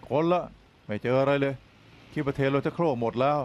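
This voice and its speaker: A man's voice: mid-range voice, fairly even intonation, fairly quick, a little mellow, lo-fi sound, lightly acted. A man dubbing a young idealistic rookie cop into Thai, earnest, stiff and lecturing. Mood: suspicious. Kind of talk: Thai dub of a TV drama.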